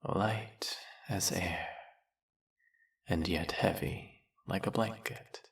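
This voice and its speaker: A man voicing a smooth-talking, snake-headed male villain who hypnotizes his captive in an audio roleplay, speaking in a silky, coaxing way. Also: sits low, drawn-out words, full character voice. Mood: hypnotic. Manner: silky, coaxing, soft-spoken and purring.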